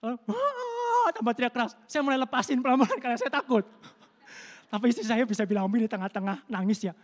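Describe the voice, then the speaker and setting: A man's voice: extremely high pitch, steady tone, rapid-fire. A middle-aged male pastor giving a Sunday sermon in a conversational, storytelling way, calling listeners "brothers and sisters" and dropping in English words. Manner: conversational preaching, addresses listeners as "saudara", tells personal stories. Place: church service.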